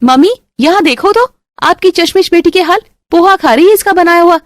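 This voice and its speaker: A woman putting on a sneering, spoiled young wife who taunts in a loud, mocking voice. Her pitch leaps high and lively, recorded close and dry. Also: fairly quick, dry recording. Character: spoiled, taunting rich sister-in-law.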